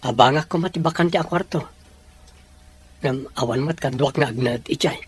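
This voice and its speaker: A man acting as a hurt, proud young man in an amateur audio drama, with a husky voice. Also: mid-range voice, moderate pace. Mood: downcast, earnest.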